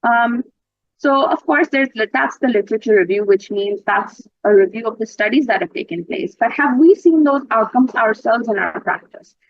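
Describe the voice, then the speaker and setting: A woman's voice: fairly high pitch, animated, normal speed, no room sound. Woman presenting to a conference, lo-fi. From Pakistan. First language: Urdu. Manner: explanatory, clarifies terms, occasional fillers. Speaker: mental health practitioner presenting research. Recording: dull lo-fi dry sound.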